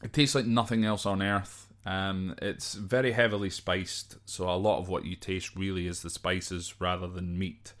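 A Scottish podcast host works through a list of slang, explaining it informally, off the cuff and a little hesitantly, sometimes spelling words out. His voice is low-pitched and a bit bright, level in tone, at normal speed with few pauses.

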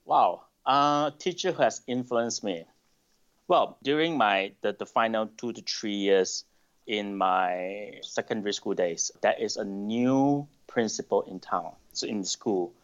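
Malaysian man, low voice, muffled sound. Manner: thoughtful, with pauses and restarts. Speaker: podcast guest. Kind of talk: interview answers. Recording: dull lo-fi sound.

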